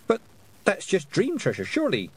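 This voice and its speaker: A man voicing a young witch girl who speaks softly and carefully. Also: high-pitched, huge pitch swings, normal speed, breathy edge, pitched above the performer's own voice, exaggerated voice. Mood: thoughtful.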